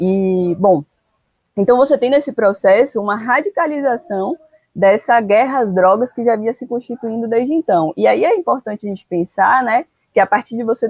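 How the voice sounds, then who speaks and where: With a northeastern Brazilian accent, a woman speaks at a fairly high pitch with lively intonation. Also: moderate pace. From Salvador, Bahia, Brazil. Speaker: lawyer and legal researcher. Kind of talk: podcast interview answer.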